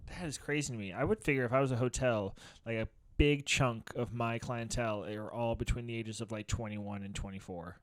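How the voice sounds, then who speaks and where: A man's voice: mid-range voice, brisk, few pauses, no room sound. A man in his twenties co-hosting a casual podcast, laid-back and mostly giving short agreeing replies. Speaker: podcast co-host. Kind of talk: casual chat.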